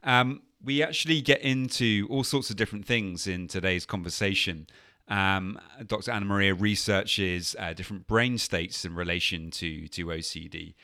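A man's voice: deep voice, normal speed, bright, forceful tone, dry recording, clean studio sound. A man hosting a podcast, friendly and hesitant, with many uhs and restarts. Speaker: podcast host and coach. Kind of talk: podcast intro and interview.

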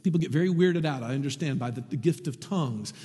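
A man preaching a sermon to his congregation, lively and animated, with wry asides. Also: medium pitch, quick pace, breathy edge, big-room sound. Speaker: pastor.

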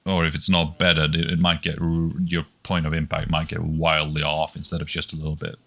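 Deep bright voice, guy rambling casually about shooting matches. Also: brisk, gravelly. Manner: relaxed storytelling with lots of fillers and restarts. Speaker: precision rifle shooter. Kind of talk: casual podcast chat.

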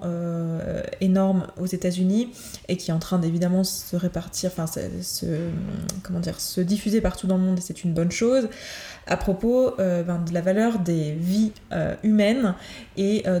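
Mellow-voiced woman, echoey room. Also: lowish voice. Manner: earnest, hesitant, many fillers and restarts. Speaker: podcast host, certified coach. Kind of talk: solo podcast talk.

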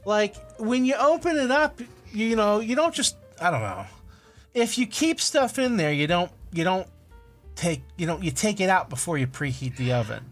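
A man's voice: high voice, sing-song, moderate pace, faint music behind. A man co-hosting a comedy podcast, chatting casually in a blunt, rambling, self-deprecating way. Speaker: podcast co-host.

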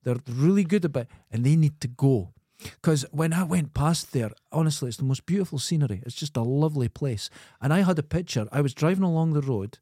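A man's voice: a little high, expressive, fairly quick, hardly any pauses, dark tone, no echo, studio quality. A Scottish man co-hosting a podcast, jokey and emphatic in casual chat. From Scotland. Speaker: podcast co-host.

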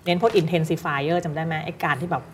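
A chatty woman with a Thai accent coaches students through English pronunciation, laughing easily and dropping in English terms. Her voice sits fairly low, with faint background noise behind her. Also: fairly even intonation, normal speed. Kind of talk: friendly classroom coaching.

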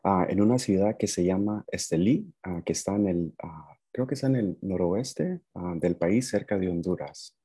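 Deep, mellow young man, hesitant talker. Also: lively intonation, moderate pace, slightly rough. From Nicaragua, moved to the United States at seven. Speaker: podcast guest. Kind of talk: casual conversational storytelling.

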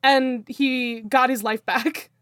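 Podcast lady, high voice, casual, swears a bit, dry close mic. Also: fairly even intonation, slow pace, fairly bright tone, no room sound. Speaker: podcast co-host. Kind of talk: casual chat.

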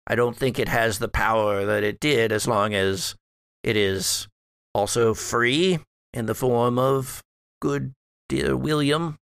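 A man playing a wry, scheming, scholarly old ancestor back from death in a tabletop horror game, speaking haltingly and formally. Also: mid-range voice, steady tone, a bit bright, smooth, no echo, clean studio sound. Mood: pondering, scheming. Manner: halting, deliberate, formal phrasing. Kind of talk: improvised tabletop horror roleplay.

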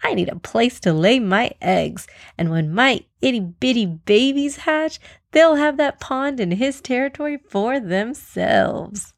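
A woman's voice: on the high side, expressive, unhurried, creaky, no room sound, studio quality, pitched above the performer's own voice. A woman voicing an impatient, sarcastic, pushy female crocodile in a children's story. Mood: impatient, mocking. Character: impatient snappish mother-to-be crocodile.

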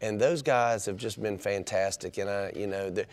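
A man, a basketball coach talking in a radio interview, halting and repeating words as he goes. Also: fairly low pitch. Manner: halting, repeats words, warms up when telling stories. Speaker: women's basketball head coach.

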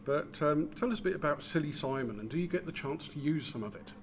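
A man's voice: fairly high pitch, lively intonation, fast talker. A man, casually chatting and putting questions as a podcast co-host. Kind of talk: casual interview chat. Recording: faint room noise.

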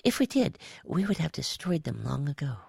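A man's voice: fairly high pitch, very animated, moderate pace, gravelly, dark tone, husky, dry recording, clean studio sound, pitched above the performer's own voice, heavily acted. A man voicing a reptilian alien spy in an audiobook story, with a lilting, nonchalant manner. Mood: explanatory. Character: high-pitched reptilian alien spy, casual, sly intelligence officer.

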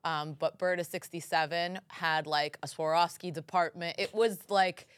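A woman, telling stories in an animated, joking way as a studio guest. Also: on the low side, normal speed, smooth, dry recording. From Brooklyn, New York. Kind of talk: casual interview chat.

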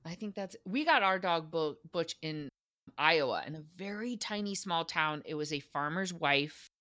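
A woman hosting a casual interview, bubbly and quick to laugh, asking her guest questions. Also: deep voice, animated, bright, forceful tone, no echo, clean studio sound. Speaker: host.

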